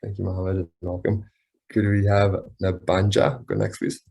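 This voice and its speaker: A very deep-voiced man hosts an online meeting and politely invites each participant to introduce themselves. He keeps his requests formal and courteous, and the sound comes through a video call. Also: flat delivery, normal speed, gravelly, warm tone. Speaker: webinar moderator. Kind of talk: calling on speakers in an online meeting.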